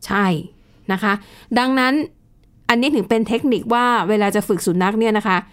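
A woman's voice: on the high side, moderate pace, clean tone. A woman co-hosting a casual news chat show, explaining with examples and adding polite particles. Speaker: radio news co-host.

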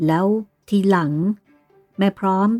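A woman's voice: unhurried, a little mellow, faint music behind, natural voice. A woman voicing a stern, commanding aristocratic aunt who gives orders and reproaches in a dramatized novel reading. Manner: authoritative, giving orders and reproaches. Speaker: reader voicing a character.

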